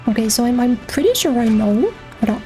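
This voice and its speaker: A woman's voice: on the high side, very animated, a little fast, warm tone, faint music behind. A young woman streamer chatting casually as she plays, thinking aloud about missions and thanking subscribers. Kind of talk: casual gameplay commentary.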